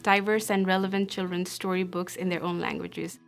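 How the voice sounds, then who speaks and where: Woman with a very even, flat delivery. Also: lowish voice, normal speed, vocal fry, over music. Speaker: organization representative. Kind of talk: prepared promotional statement.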